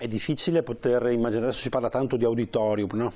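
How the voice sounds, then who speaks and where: The man's voice has a medium pitch and a dark, mellow tone. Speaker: deputy mayor answering viewers. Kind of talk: live TV Q&A answering questions. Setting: studio live broadcast. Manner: hesitant, repeats words. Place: studio. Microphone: lapel.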